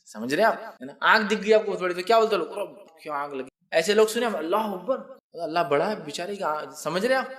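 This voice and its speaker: High-voiced man giving a casual religious talk. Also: a bit bright. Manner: explains with everyday examples, keeps asking the listeners if they follow; conversational and unscripted, with restarts and asides. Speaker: Islamic preacher.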